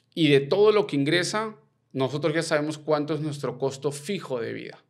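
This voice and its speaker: Over a quiet background, a man speaks. His intonation is lively. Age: 40s. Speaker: financial mentor and network marketer; podcast guest. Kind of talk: interview conversation. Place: studio. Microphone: studio mic.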